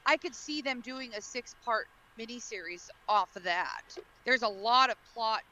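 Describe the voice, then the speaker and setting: Bright, higher-pitched woman chatting casually. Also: normal speed, highs cut off. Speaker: podcast co-host or panelist. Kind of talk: casual panel discussion.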